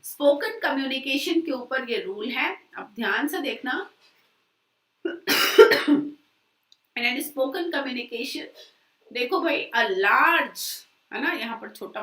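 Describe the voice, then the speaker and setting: A woman's voice: a little high, expressive, slow, pauses often, bright, forceful tone. An Indian woman teacher giving a live online revision lecture, switching between Hindi and English, often checking in with students and drawing out key words for emphasis. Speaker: commerce exam teacher. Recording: echoey, from a distance.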